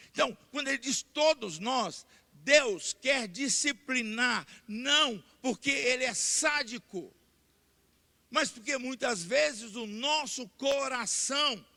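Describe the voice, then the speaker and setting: A man with a Brazilian Portuguese accent preaching a sermon in church, repeating key points and building to loud emphatic declarations. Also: extremely high pitch, vocal fry. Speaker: pastor. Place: church sanctuary. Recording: long church hall reverb.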